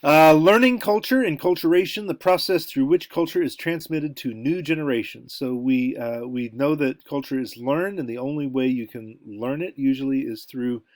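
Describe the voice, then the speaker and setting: A man's voice: mid-range voice, normal speed, hardly any pauses, no room sound. An American man giving an informal lecture, talking in a conversational way and thinking aloud with asides. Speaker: college lecturer.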